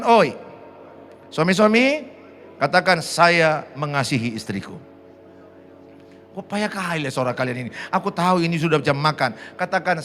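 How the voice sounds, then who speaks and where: A man's voice: fairly high pitch, fairly bright tone. A middle-aged man, preaching a sermon and having the congregation repeat lines after him. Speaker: pastor. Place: large church hall.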